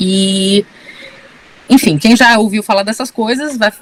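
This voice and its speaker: A woman speaks with ordinary pitch variation in a dry, close sound with no echo, though noticeable background noise is present. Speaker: lecturer teaching R. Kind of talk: online lecture. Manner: fast.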